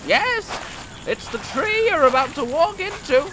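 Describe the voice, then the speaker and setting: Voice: high voice, very animated, measured pace. An actor voicing a sassy female talking chicken in an audio drama, with a blunt, snippy manner. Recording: faint background noise.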